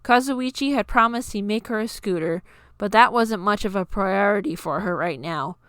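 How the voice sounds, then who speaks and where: A woman narrates a written story in a smooth, clear voice. Her pitch sits in the middle, and the sound is very dry, with no room to it. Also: normal speed, a bit bright, dry recording. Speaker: narrator reading own fan fiction.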